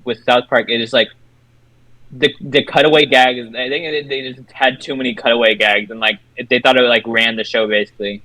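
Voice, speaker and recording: A man's voice: medium pitch, steady tone, fairly quick, bright, forceful tone, dry recording, rough recording. A young man co-hosting a podcast, chatting casually with lots of fillers. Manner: laid-back, filler-heavy. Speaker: podcast co-host. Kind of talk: casual chat.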